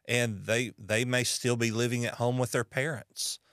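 An American man from Arkansas in casual conversation as an interviewer, speaking thoughtfully and haltingly with pauses mid-sentence. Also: mid-range voice, flat delivery, a bit bright, dry recording, clean studio sound. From Arkansas, United States.

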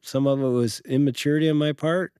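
A man's voice: a little high, steady tone, fairly quick, darkish tone, clear, resonant tone, no room sound. Earnest reflective man, dry close sound. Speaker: podcast co-host. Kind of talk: casual conversation about faith and marriage.

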